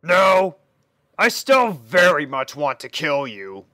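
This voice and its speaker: A man voicing a grumpy, indignant river shark with a gravelly, forceful voice and a blunt manner, for a story reading. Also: a little high, very animated, slow, no echo, exaggerated voice. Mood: menacing. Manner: blunt, aggrieved.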